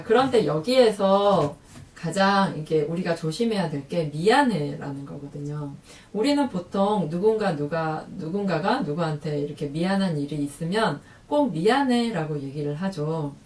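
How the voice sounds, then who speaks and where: A woman vlogging about talking with children, chatty and lively, acting out quoted lines. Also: lowish voice, echoey room, far from the mic. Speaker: parenting vlogger. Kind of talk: casual talk to camera.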